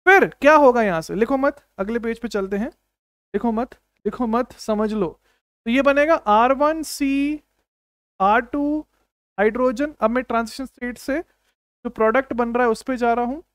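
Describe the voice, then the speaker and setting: A man with a high, bright-pitched voice runs an energetic exam-coaching chemistry lecture. He keeps firing rhetorical questions at his students and repeats short commands. The sound is dry and close, with no room around it. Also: measured pace, clean tone, no echo. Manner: repeats short commands like "don't write, understand". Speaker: chemistry teacher.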